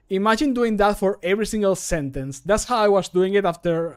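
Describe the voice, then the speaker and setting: A man in his thirties with a high-pitched, darkish voice chats casually on a livestream from a small room at home. A streamer and game modder, he rambles, puts himself down and swears casually.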